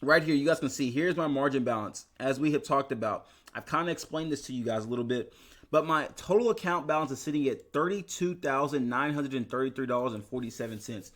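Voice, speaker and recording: In his investing vlog, a young finance YouTuber talks casually in a mid-range, slightly bright voice at a somewhat fast pace. Short on sleep and tired, he wanders off topic and keeps starting his sentences over.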